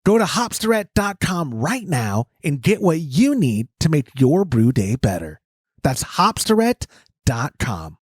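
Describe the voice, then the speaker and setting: A man's voice: a little high, big pitch swings, a little slow, slightly rough, no echo, clean studio sound. Jokey man with a bouncy voice. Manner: jokey, self-mocking, breaks into silly sung bits. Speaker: podcast co-host. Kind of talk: casual banter and ad reads.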